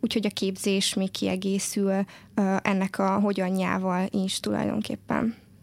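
A woman talks fairly slowly in a medium pitch, her intonation monotone and flat. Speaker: student union officer. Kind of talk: casual interview. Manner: formal.

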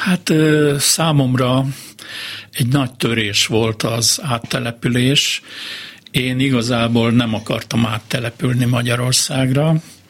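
At a very slow pace, a man talks at a medium pitch with fairly even intonation. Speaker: poet and visual artist. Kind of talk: radio interview. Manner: halting, many fillers and repetitions.

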